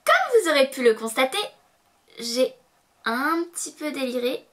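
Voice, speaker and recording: Young woman, casual product review, high voice, playful sing-song repeats. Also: big pitch swings, unhurried, a bit bright. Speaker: beauty vlogger.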